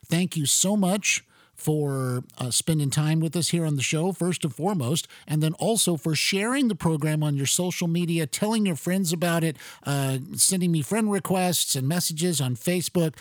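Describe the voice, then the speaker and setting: A man's voice: on the high side, moderate pace, no room sound, clean studio sound. A man hosting a political talk show, chatting in a sarcastic, conversational way with many fillers and restarts. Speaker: talk radio host.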